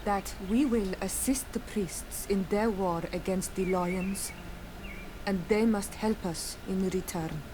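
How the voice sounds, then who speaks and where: Woman playing proud tribal villager, fantasy game; mid-pitched, earnest and firm, clear background noise. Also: slow, close to an everyday voice. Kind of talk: scripted game dialogue acting.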